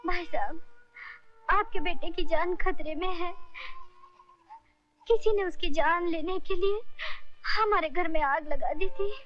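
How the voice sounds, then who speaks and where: An actress playing a grieving widowed mother in a 1990s Hindi melodrama, crying and speaking in a slow, broken way. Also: very high voice, faint music behind. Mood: weeping. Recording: dull lo-fi film soundtrack.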